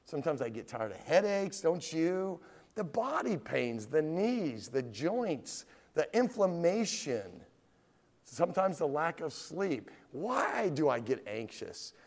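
Animated male preacher, lively voice. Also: a little high, slow. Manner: animated, conversational preaching with rhetorical questions; asks the congregation direct questions. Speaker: pastor. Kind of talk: evening sermon.

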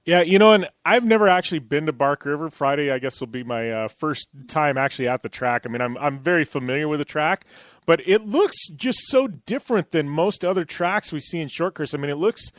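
A man's voice: fairly high pitch, expressive, fairly quick, no echo, clean studio sound. A man hosting an interview, asking long rambling questions in a friendly, chatty way and calling the guest "man" and "dude". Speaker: show host. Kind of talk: casual interview chat.

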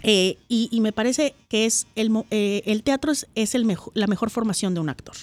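A woman actress with a Mexican accent, talking as a guest in a casual interview, expressive and often restarting her sentences. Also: on the high side, normal speed. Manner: animated and expressive, with frequent restarts.

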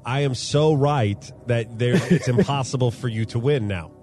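A man's voice: medium pitch, normal speed, mellow. Sarcastic, mock-competitive male co-host. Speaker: podcast co-host. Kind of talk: casual comedic podcast chat.

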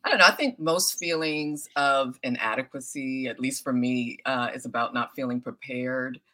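A woman's voice: a bass voice, fairly even intonation, moderate pace, bright, forceful tone. A woman, an actress and founder, answering interview questions in a chatty way with many hesitations. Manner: chatty, many ums, laughs easily.

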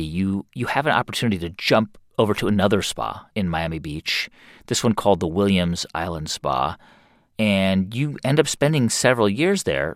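An interview host with a lowish voice recaps his guest's story and asks curious follow-up questions. The conversational exchange is recorded with clean studio sound and no echo.

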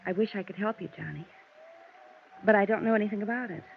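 Actress as tired cagey young mom on old radio, dull hissy broadcast sound. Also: female voice, mid-range voice, fast, gravelly, close to an everyday voice. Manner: tired, guarded, evasive. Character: weary, guarded young mother hiding from a gangster. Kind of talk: 1950s radio drama acting.

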